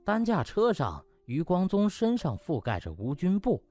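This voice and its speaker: A man's voice: high-pitched, huge pitch swings, moderate pace, dark tone, faint music behind. A man narrating a comic novel in a dramatic, theatrical storytelling style. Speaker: audiobook narrator.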